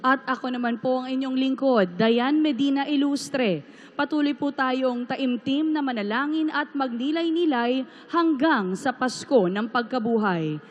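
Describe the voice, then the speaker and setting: A woman's voice: high voice, a little slow. A woman with a Filipino accent hosting a solemn religious broadcast, speaking formally and reverently. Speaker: host. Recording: muffled, long echo of large hall.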